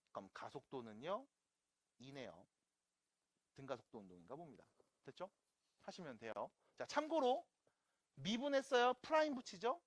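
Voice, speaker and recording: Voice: medium pitch, no room sound. A math lecturer teaching an online class, explaining step by step, often checking in with rhetorical questions and dropping playful asides.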